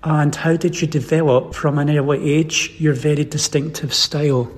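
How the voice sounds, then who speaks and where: A man interviewing someone with measured, articulately phrased questions. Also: fairly high pitch, fairly even intonation. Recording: long echoing reverb in a hall.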